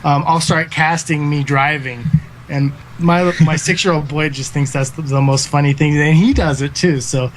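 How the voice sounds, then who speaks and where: A man's voice: a little high, steady tone, normal speed, a little hiss or hum, rough recording. A man in his thirties, a guest esports caster, talking earnestly in a casual podcast interview, with lots of fillers. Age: 30s. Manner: earnest, rambling with many fillers.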